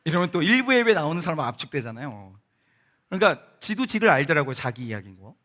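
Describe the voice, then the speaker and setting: Animated, high-voiced male pastor. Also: quick pace. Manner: animated storytelling, acts out quoted voices; conversational, addresses congregation directly. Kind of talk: sermon. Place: church sanctuary.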